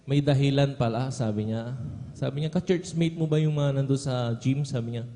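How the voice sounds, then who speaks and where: A man's voice: mid-range voice, moderate pace, warm tone. A young man with a Filipino accent giving an earnest testimony at a prayer service, saying "beloved" after almost every phrase. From Philippines. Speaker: church member giving testimony. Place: church hall. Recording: long reverb of a church hall.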